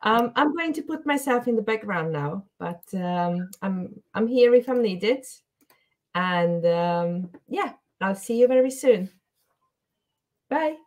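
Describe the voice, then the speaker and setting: A woman's voice: mid-range voice, lively intonation, slow. A woman hosting an online webinar, courteous and a little hesitant, repeating words as she introduces things. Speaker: host. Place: indoor room, video call.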